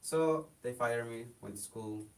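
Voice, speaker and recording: A young man from Mexico, a guest in an interview, speaks haltingly with many fillers and restarts. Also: mid-range voice, a little mellow. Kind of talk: casual interview. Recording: hiss, distant from the mic.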